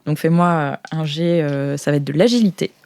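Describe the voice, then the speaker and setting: A woman narrating an improvised role-playing game as game master, informal and halting, often repeating her words. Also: low-pitched, noisy background.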